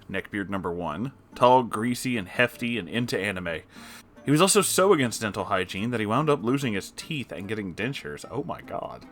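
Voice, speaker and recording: A man's voice: lowish voice, fairly bright tone. A man reading an online post aloud, breaking off now and then with disgusted reactions. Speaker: story reader.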